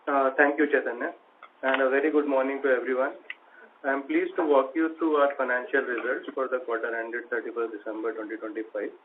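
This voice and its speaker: A man's voice: mid-range voice, fairly even intonation, a little fast. A man with an Indian accent, speaking as a finance chief and reading through a prepared financial report. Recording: noisy phone-like conference line.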